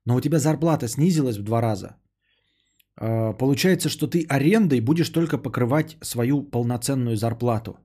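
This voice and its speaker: A young man hosting a podcast, reading out donations and chatting casually, sarcastic and rambling, often trailing off into low mutters. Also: normal speed, mellow, breathy edge. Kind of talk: casual stream chat.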